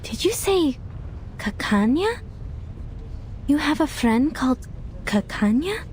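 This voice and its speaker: A woman's voice: sits high, sing-song, slow pace, a little mellow, a little hiss or hum, heavily acted, poor audio. A woman voicing an inquisitive, observant young woman in a video game, with a musing, polite manner. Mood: surprised.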